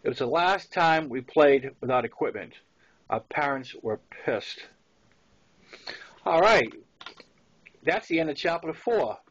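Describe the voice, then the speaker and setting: This sixty-something Massachusetts man, Boston accent intact, narrates his memoir in a chatty storytelling style full of casual asides. His voice is a little high and expressive, unhurried with frequent pauses, captured in lo-fi sound.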